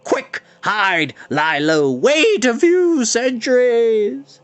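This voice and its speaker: A man voicing a booming, theatrical old male spirit guide who shouts down from the sky in archaic phrases. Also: sing-song, slow, full character voice. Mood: rousing.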